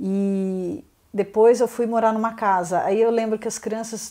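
Her tone is dark and mellow, with fairly even intonation. The background is quiet. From São Paulo, Brazil. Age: 50s. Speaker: novelist; interviewee. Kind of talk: literary interview. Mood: calm, reflective. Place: home room. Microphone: lapel.

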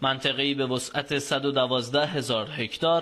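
A plain, everyday voice at a moderate pace. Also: man. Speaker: news reporter. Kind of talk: news report narration. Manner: formal.

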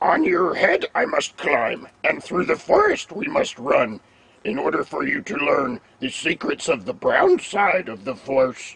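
A man's cartoonish character voice at a fairly slow pace. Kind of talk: comic parody impression. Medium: puppet show. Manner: inverted word order, sage-like, pleased.

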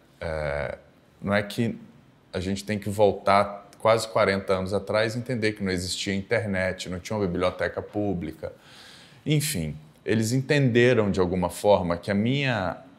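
Fairly low in pitch, a man talks at a moderate speed, his pitch varying in an ordinary way. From Brazil, Minas Gerais (Carangola); Minas Gerais, Brazil. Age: 30s. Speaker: interviewee. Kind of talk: interview. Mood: reflective, calm. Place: home room.

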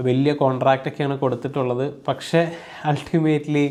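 Monotone, flat intonation in a man's medium-pitched voice. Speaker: football video commentator. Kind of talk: solo commentary video.

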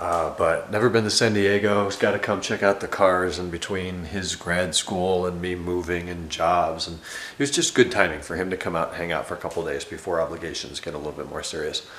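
Speech comes at a fairly quick pace, with audible room echo around it. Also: man. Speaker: vlogger. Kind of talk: casual vlog chat. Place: garage. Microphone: phone near.

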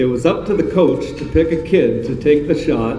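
Faint background music behind a man at a moderate pace, with ordinary pitch variation and audible room echo. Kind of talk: wedding speech. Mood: warm, humorous, proud. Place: hall. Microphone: podium.

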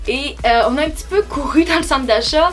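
A woman talks at a fairly quick pace in a Quebec accent. Faint music plays in the background. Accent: regional Quebec French. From Saguenay-Lac-Saint-Jean, Quebec, Canada. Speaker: YouTuber, business student. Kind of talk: casual storytime talk to camera. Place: home room.

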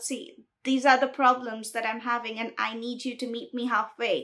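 A woman with an Indian accent speaks at a moderate pace in a high, bright, sharp voice. Her intonation stays monotone and flat against a quiet background. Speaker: doctor; podcast guest. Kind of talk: casual panel discussion. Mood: reflective, personal. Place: home room. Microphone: earbuds.

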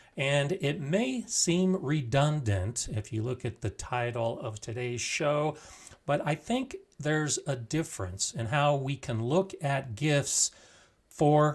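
A man's somewhat breathy voice, very slow, with lively intonation against a quiet background. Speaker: gardening channel host. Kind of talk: live-stream show intro. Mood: warm, friendly. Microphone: studio mic.

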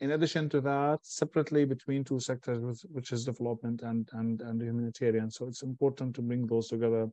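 Over a quiet background, a man with an Arabic accent speaks in a dark, mellow, medium-pitched monotone, the sound dry with no echo. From Syria. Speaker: humanitarian worker; speaker. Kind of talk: panel discussion. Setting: video call. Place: home room. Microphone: earbuds.

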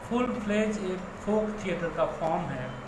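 Very slow male speech against noticeable background noise. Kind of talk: online lecture. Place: home room. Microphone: phone near.

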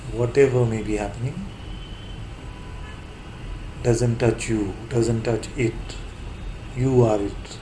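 Against light background noise, a man speaks at a very slow pace in a monotone, flat intonation. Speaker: spiritual teacher. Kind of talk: sermon. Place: home room. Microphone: webcam.

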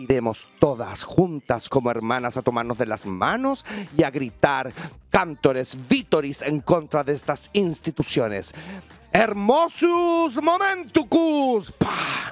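A man talking at a very slow pace, in a dry sound with no echo. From Chile. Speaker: podcast co-host. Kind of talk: casual chat. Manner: animated. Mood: playful, joking. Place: studio. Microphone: echo, sounds like in a bunker; studio mic.

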